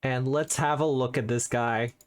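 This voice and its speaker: Guy game master, middle pitch, chatty narration for a tabletop rpg. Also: steady tone, moderate pace, a little hiss or hum.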